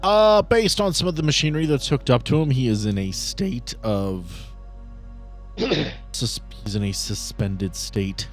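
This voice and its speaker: A man acting as game master, narrating casually with deliberate, halting phrasing. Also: medium pitch. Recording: music behind.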